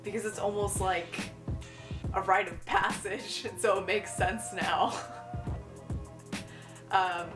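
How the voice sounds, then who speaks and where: A man's voice: sits high, little pitch movement, takes it slowly, pauses often. A young trans man vlogging casually to camera, chatty and candid, with many ums and little laughs. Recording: echoey room with faint music.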